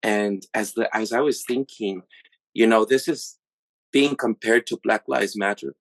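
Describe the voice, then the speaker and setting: A man from the USA hosting a podcast, talking through his thoughts in a halting, casual way with many restarts. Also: on the low side, no room sound. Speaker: podcast host. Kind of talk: casual reflective monologue.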